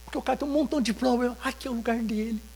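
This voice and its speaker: A man's voice: extremely high pitch, racing, creaky, long reverb tail. A man with a Brazilian Portuguese accent, a pastor preaching an informal sermon full of anecdotes and acted-out dialogue in a church. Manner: storytelling, animated, acts out dialogue. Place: church sanctuary.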